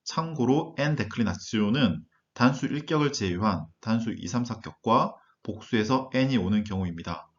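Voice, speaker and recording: A man narrating a language lesson, reading word lists slowly and deliberately. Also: fairly low pitch, expressive, highs cut off. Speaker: German language teacher.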